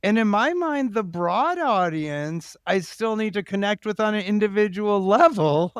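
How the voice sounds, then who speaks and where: Podcast host: man, high lively voice, informal, halting phrasing, casual interview chat. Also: smooth, no echo, clean studio sound. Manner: informal, halting, thinking aloud.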